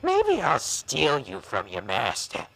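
An actor playing a sadistic, vengeful monster in a horror audio drama, with gravelly, mocking menace. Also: medium pitch, wildly swooping pitch, a bit bright, exaggerated voice, rough recording. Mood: vengeful, taunting. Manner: menacing, drawn-out, mocking taunts.

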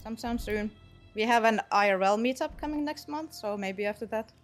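A woman's voice: a little high, fairly quick, soft background music. A Finnish woman, a native Finnish speaker, chatting casually as a podcast guest and laughing easily between phrases. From Finland. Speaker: guild master guest.

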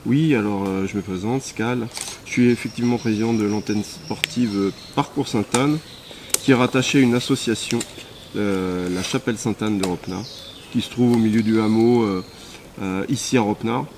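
A man with a fairly low voice talks about his volunteer sports group. He pauses often and fills gaps with hesitations. Faint outdoor noise is heard behind him. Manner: hesitant, many "euh" fillers. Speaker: volunteer sports association president. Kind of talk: casual interview answers. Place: outdoors at a rural hamlet.

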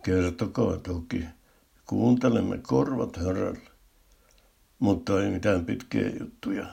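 Man doing a gravelly officious policeman for a storybook reading, curt and clipped. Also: sits low, dark tone, exaggerated voice. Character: brisk male police officer, businesslike.

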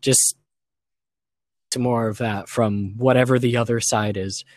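A man's voice: mid-range voice, steady tone, a little slow, no room sound. A man in a casual, reflective podcast discussion, talking earnestly and thoughtfully in an unscripted way. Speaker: podcast guest or co-host.

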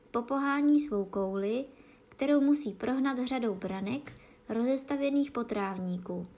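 A woman with a slightly high voice reads a children's storybook aloud. Her narration is calm and gentle.

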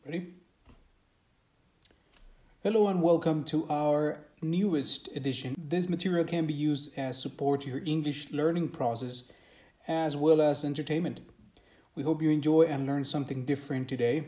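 Male host, mellow tone, friendly and halting, echoey room. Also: on the high side, fairly even intonation. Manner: friendly, hesitant with many fillers. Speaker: podcast host and English teacher. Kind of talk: casual interview chat.

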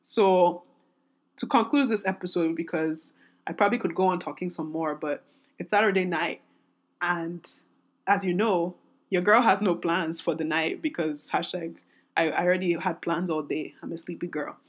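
Raspy-voiced young woman rambling candidly. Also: on the low side, fairly even intonation, moderate pace. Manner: rambling, self-interrupting, candid. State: voice strained from singing. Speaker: podcast host. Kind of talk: solo podcast rant.

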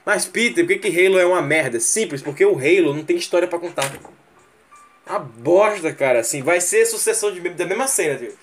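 A man's voice: high-pitched, lively intonation, a little fast, slight background noise. A man with a Brazilian Portuguese accent hosting a live stream, ranting casually and profanely, mocking scenes with mimicry and sound effects. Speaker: livestream host. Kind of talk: casual rant.

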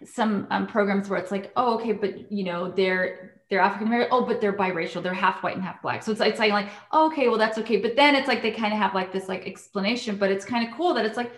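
A woman's voice: medium pitch, fast talker, few pauses, echoey room. A woman interviewing a guest, chatty and casual, leaning heavily on "like" and "you know". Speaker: interviewer, host.

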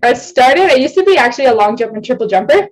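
Fast and expressive, this high-pitched young woman from Ontario, Canada chats as an athlete guest in a casual video-call interview. She laughs often, rambles, and pokes fun at herself. The audio is poor.

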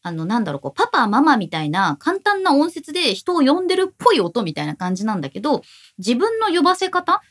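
A woman's voice: sits high, huge pitch swings, fast, a bit bright. A woman co-hosting a podcast in casual chat, playful and imitating sounds as she talks. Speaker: podcast co-host.

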